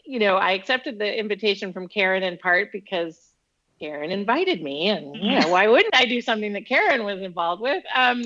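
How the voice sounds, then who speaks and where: A woman's voice: mid-range voice, gravelly. Woman introducing herself on a panel, muffled line. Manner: warm, laughs easily, grateful. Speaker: foundation managing partner, panelist. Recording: muffled lo-fi audio.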